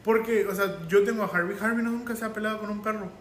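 A Mexican man with a Mexican Spanish accent tells anecdotes animatedly in a casual podcast chat. His high voice moves fast, and the recording is reverberant with a little hiss or hum.

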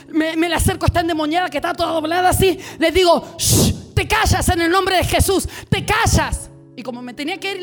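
A woman preacher telling a deliverance story in an animated sermon, shouting at high points.

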